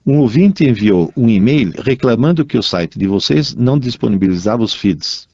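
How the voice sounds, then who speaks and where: A man with an Italian accent co-hosting a casual radio chat show, reading out listener emails in a lively, chatty way. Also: medium pitch, moderate pace, no echo. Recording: dull, dry studio sound.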